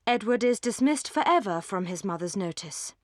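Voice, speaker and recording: A woman voicing a pompous, solemn English gentleman in an audiobook, long-winded and self-satisfied. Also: medium pitch, lively intonation, normal speed, no room sound, clean studio sound, close to an everyday voice. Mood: pompous, indignant. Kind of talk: audiobook character dialogue.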